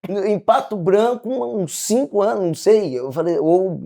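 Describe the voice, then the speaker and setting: A co-host of a relaxed interview show who jokes around and uses plenty of slang. This voice breaks into loud laughs and keeps the banter casual. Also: mid-range voice, moderate pace, vocal fry.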